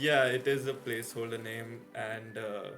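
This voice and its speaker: There is noticeable background noise and audible room echo as a man with an Indian accent speaks at medium pitch in a monotone, flat intonation. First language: Hindi. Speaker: indie game developer. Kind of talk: casual interview chat. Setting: voice call on Discord. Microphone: too quiet, host turns him up.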